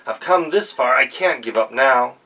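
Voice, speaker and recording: A man's voice: medium pitch, expressive, normal speed, bright, forceful tone, far from the mic, poor audio. A man voicing a brave young girl on a quest, talking in an eager, pleading way.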